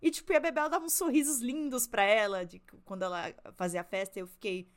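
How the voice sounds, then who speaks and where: A woman's voice: on the high side, steady tone, fast talker. A young woman, co-hosting a casual podcast chat, blunt and swearing freely as she tells stories. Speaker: podcast co-host.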